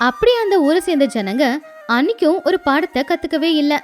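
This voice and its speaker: A woman's voice: high voice, expressive, a little fast, soft background music. A woman narrating a scripted children's moral story as the storyteller.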